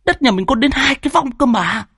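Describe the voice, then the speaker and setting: A man's voice: very high-pitched, animated, brisk, a bit bright, breathy edge, dry recording, clean studio sound, voice pushed up, heavily acted. Guy doing a scared whiny house owner, 30s, pleading, voice all over. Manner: whining, pleading. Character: fearful whiny homeowner man in his thirties.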